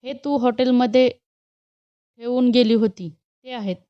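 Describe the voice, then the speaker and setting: A woman's voice: on the high side, fairly even intonation, measured pace, muffled recording, lightly acted. Raghav, a woman voicing a curt angry boss. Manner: curt, commanding, mixing in English phrases. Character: short-tempered young male boss.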